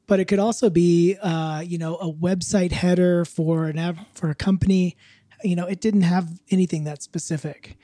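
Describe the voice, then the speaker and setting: A man's voice: sits high, steady tone, normal speed, warm tone, dry recording. A man in his fifties, a podcast co-host, chatting casually with a wry, rambling way of talking. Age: 50s. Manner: rambling, self-correcting, wry.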